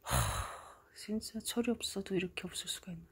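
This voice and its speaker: A middle-aged woman hosting her own channel, telling a story in a casual monologue and swinging dramatically from hushed murmurs to loud outbursts. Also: medium pitch, fairly quick, husky, in a whisper. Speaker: channel host interpreting a dream.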